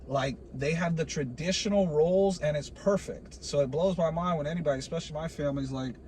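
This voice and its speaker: A man's voice: a little high, brisk. A man in his late twenties ranting in a casual, rambling way, saying "dude" again and again and restarting his sentences. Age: 20s. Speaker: vlogger. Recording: loud vehicle noise behind.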